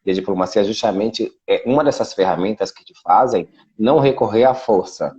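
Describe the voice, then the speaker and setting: A man's voice: lowish voice, fairly quick, warm tone, breathy edge, dull audio. A Brazilian man from Salvador, a guest in a casual video interview, explaining at length with frequent fillers. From Brazil (Salvador, Bahia). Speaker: guest, international relations specialist. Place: Portugal.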